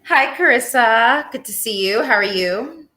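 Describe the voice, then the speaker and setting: A woman's voice: a little high, expressive, unhurried, sharp tone, reverberant. A young woman being interviewed, talking candidly and animatedly, laughing often. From Cape Verde and Mozambique heritage, raised in Ethiopia. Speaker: empowerment coach guest. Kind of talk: casual interview conversation.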